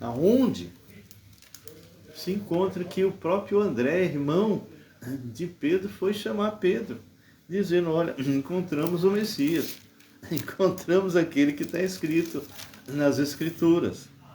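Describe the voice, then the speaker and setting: A man talks very slowly at a high pitch, with ordinary pitch variation. Long, frequent pauses break up his speech, and there is audible room echo. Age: 70s. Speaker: pastor and missionary. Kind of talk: sermon. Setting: livestream.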